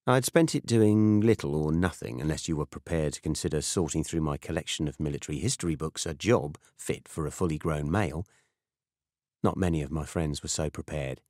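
A British man reading a first-person novel as an audiobook narrator, in a dry, measured manner. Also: very deep voice, a little mellow, no room sound.

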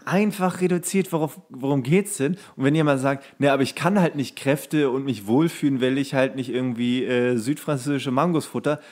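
Give the voice of a man with a mid-range pitch co-hosting a casual, funny podcast. He talks colloquially and rambles along, dropping in mock-strict asides. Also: fairly quick, few pauses, darkish tone. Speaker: podcast co-host. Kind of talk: casual humorous chat.

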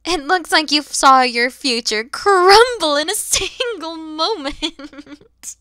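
A high, bright and very animated voice for a motherly dragon woman, acted by a woman. She is kind, playful and easily flustered, talking straight to the listener as in an ASMR roleplay. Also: slow, no echo, clean studio sound, full character voice. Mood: teasing. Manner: expressive, teasing, gentle, addressing the listener directly. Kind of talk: ASMR audio roleplay acting.

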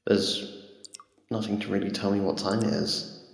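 A man playing a frightened, humiliated young captive in an ASMR roleplay, halting and timid, with a gravelly voice. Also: lowish voice, fairly even intonation. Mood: weary, dazed. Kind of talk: ASMR roleplay audio drama. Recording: echoey, long cavernous reverb.

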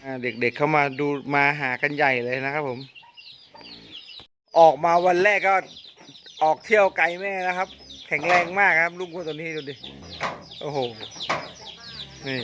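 A man's voice: a little high, normal speed, pauses often, a little hiss or hum. Chatty man filming cows outdoors. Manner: chatty, excited, laughs often at the calves. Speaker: farm vlogger. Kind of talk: casual commentary while filming cattle. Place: outdoors on a cattle farm. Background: birds and chickens, faint outdoor ambience.

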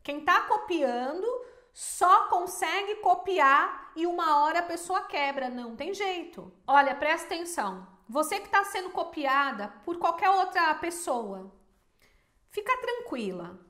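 A Brazilian woman giving emphatic, animated business advice to viewers, with rhetorical questions. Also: very high-pitched, a little slow, echoey room. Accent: Brazilian Portuguese. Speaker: small business owner and teacher.

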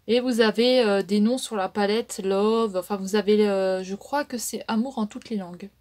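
A woman's voice: mid-range voice, fairly even intonation, moderate pace, a little mellow. A woman with a French accent casually reviewing makeup palettes, chatty and full of fillers. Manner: chatty, many fillers and "donc". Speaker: beauty vlogger.

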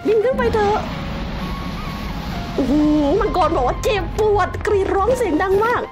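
A young adult woman giving playful, excitable commentary on a Minecraft game as its host, chatting to the dragon she fights. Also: extremely high pitch. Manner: excitable, playful, talks to the dragon, frequent laughs and exclamations. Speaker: Minecraft let's-play host. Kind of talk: casual gameplay commentary.

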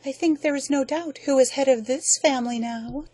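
Sweet scheming young woman, way high and sugary, reader putting her on. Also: moderate pace, dark tone, no room sound, close to an everyday voice. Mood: triumphant.

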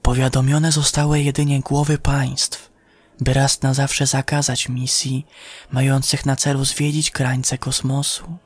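A man narrating a scripted sci-fi horror audio story in a solemn, measured way. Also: medium pitch, little pitch movement, no room sound. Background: music behind the voice.

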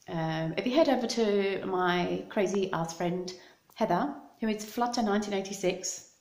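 A middle-aged woman from Scotland with an English accent chats casually to her phone camera, held close, in a small room of her house. Her voice is on the low side and darkish, the sound is roomy, and she rambles from topic to topic with a dry mouth.

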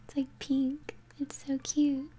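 A young woman giving gentle, chatty game commentary in a soft, breathy ASMR whisper. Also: high voice, completely flat delivery, a little hiss or hum. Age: young adult. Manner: gentle, chatty, unhurried narration of play. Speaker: game streamer, host. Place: small home room, indoors. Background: game music.

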